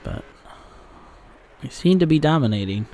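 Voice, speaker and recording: A man's voice: on the high side, lively intonation, moderate pace, dark tone, slight background noise. A young man casually commentating a racing game as he plays, rambling with lots of fillers and the odd curse. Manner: rambling with frequent fillers and profanity. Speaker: gaming channel host.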